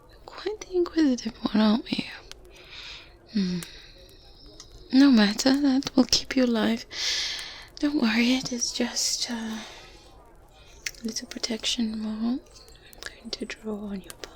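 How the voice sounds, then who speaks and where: Whispering softly and breathily right up against a close binaural microphone, a woman plays a strict but kindly good witch who teases gently in an ASMR roleplay. Her slightly high voice feels soothing and confident as she moves slowly, humming and chuckling softly. The recording carries ambient noise with medieval ambience behind her.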